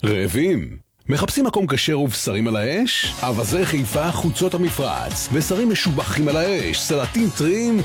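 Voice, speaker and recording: A man's voice: a little high, huge pitch swings. A man reading a scripted commercial for local businesses over music. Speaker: advertising announcer. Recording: music bed behind the voice.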